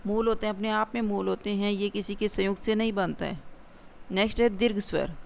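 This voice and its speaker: A grammar teacher explaining definitions step by step, repeating key points and slowing down for examples. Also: medium pitch, steady tone, creaky. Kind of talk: exam-prep grammar lesson. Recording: dull lo-fi recording with faint hiss.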